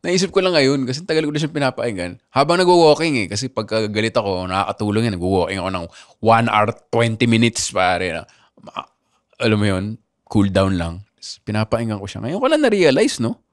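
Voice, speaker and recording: A man hosting a podcast, telling stories in animated casual chat with constant tag questions. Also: on the low side, a little fast, no room sound, studio quality. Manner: animated storytelling with frequent "di ba" asides. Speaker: podcast host.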